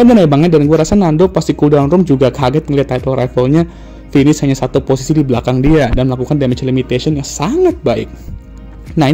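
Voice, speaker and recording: A man's voice: on the high side, mellow. A man recapping a motor race in a casual, joking, slang-filled way, like a YouTuber talking to his viewers. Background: faint background music.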